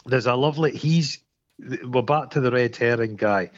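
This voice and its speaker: A man's voice: mid-range voice, moderate pace, dry recording. A middle-aged Scottish man co-hosting a casual film review chat, retelling scenes with swearing and acted quotes. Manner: animated storyteller, sweary, acts out quotes. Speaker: podcast co-host. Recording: dull lo-fi dry sound.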